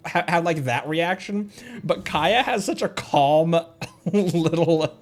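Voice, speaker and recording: A man streaming a game, chatting casually in a giggly, rambling, animated way. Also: fairly high pitch, takes it slowly. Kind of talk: casual chat while playing a game.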